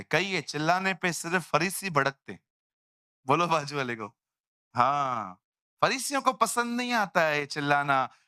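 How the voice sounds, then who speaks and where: A male pastor preaching a lively sermon in a church, mimicking people in quoted voices. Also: on the high side, smooth, dry recording, clean studio sound. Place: church hall.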